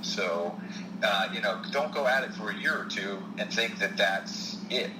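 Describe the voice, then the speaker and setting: A man's voice: on the low side, a little slow, reverberant, background noise. A man with a South Jersey, Philadelphia-area accent, an actor and stunt performer giving earnest advice in an interview. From South Jersey, United States. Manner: earnest, repeats key points for emphasis. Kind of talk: podcast interview.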